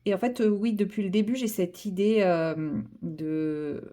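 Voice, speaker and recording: This coloring vlogger, a young woman, speaks at a measured pace in a medium-pitched, dark-toned voice. Chatting casually while coloring, she rambles about her project, restarting often, leaning on fillers, and poking fun at herself.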